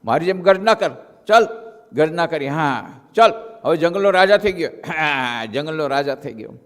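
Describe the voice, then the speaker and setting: A man voicing a big, proud male lion who scolds and commands in a loud, roaring tone, recorded in a large hall with long reverb. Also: on the high side, lively intonation, normal speed, pitched below the performer's own voice, lightly acted. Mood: commanding.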